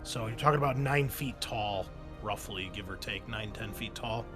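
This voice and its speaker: A man's voice: lowish voice, moderate pace, music in the background. A man narrating a tabletop game as game master, explaining things in an informal, improvised way.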